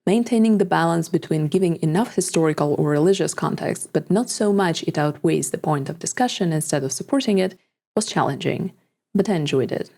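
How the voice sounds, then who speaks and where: Young woman narrating her essay, low raspy voice, not a native english speaker, calm and thoughtful. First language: neither English nor Japanese. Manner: measured, reflective, articulate. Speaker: video essayist. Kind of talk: scripted voice-over narration.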